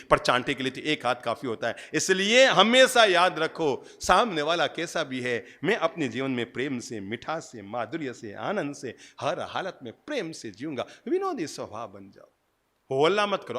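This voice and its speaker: A man giving a discourse sermon as a spiritual preacher, telling stories with sudden swings between loud and soft. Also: fairly high pitch, normal speed. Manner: animated storytelling with dramatic swings in volume. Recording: long hall reverb.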